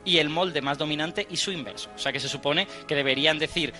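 A man's voice: on the high side, fast, bright, forceful tone, soft background music. A man on a radio show, explaining a study and quizzing the hosts. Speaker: science guest.

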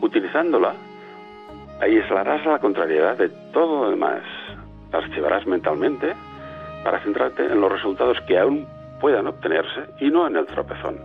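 A low-pitched man reads a calm, measured motivational reflection as a radio coach. He speaks from a tinny, phone-like line, with faint music underneath. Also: creaky. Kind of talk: scripted motivational commentary. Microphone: phone call.

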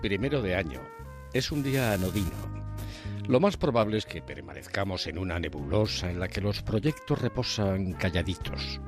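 A man's voice: low voice, lively intonation, normal speed, music in the background. A man reading a scripted radio column in an ironic, dryly humorous manner. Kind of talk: scripted opinion column read on air.

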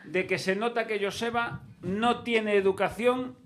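A man's voice: high-pitched, steady tone, measured pace, a bit bright. A man, a podcast host who plays a mock-solemn moderator in comic banter.

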